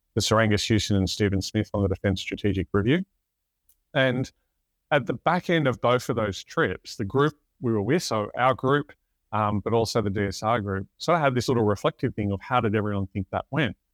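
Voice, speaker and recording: Speaking at a fairly quick pace with an Australian accent and ordinary pitch variation, a man is heard on a very clean recording with a silent background. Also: medium pitch for a man. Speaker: defence policy professor. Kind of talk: roundtable discussion.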